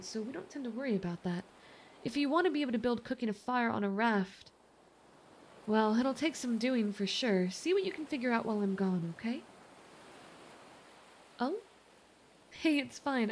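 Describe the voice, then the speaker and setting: A woman playing a kind, reassuring young mermaid in an ASMR roleplay, chatty, gentle and earnest. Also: fairly high pitch, a little hiss or hum.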